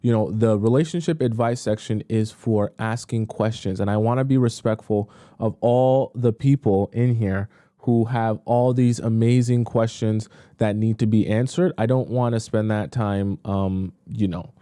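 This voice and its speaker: With a fairly low, dark voice at normal speed, this young man coaches on dating over a live stream. He reads viewer questions out loud, responds in disbelief, and keeps things casual and chatty with frequent fillers. Studio-quality audio, no room sound.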